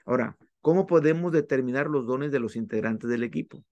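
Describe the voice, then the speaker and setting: A man teaching a class, working through his points methodically and listing items one at a time with pauses. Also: mid-range voice, a little mellow, no echo, dull audio. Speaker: instructor. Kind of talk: classroom lecture on church planting.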